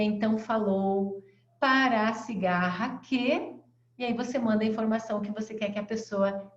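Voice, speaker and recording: Brazilian woman teaching, lively demonstrative voice. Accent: Brazilian Portuguese. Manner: demonstrates voice tones, shifting pace and pitch. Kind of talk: online class lecture. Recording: echoey, dull lo-fi sound.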